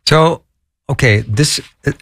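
A man hosting an interview, asking questions in a conversational, lively way. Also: a little high, slow. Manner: conversational, animated when making a point. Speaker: interview host.

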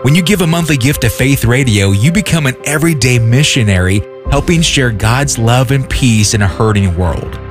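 A man announcer making an earnest, persuasive appeal for donations. Clear music runs beneath his voice. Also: medium pitch, lively intonation, moderate pace. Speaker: radio announcer. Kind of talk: scripted appeal.

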